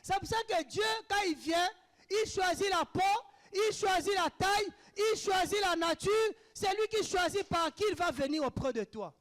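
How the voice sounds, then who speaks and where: Fervent male preacher, very high voice, mixes shouts with quiet asides. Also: expressive, moderate pace. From Africa. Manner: impassioned, swings between shouted declarations and hushed asides. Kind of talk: sermon answering questions.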